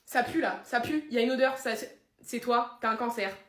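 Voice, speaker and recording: A crude, dramatic little female dog with a fairly high voice, as a woman puts her on in a comedy sketch. She swings from deadpan mutters to outbursts, caught in a roomy, echoey space. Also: brisk, natural voice. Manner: crude, deadpan then explosive. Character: cheeky foul-mouthed female pet dog, dramatic.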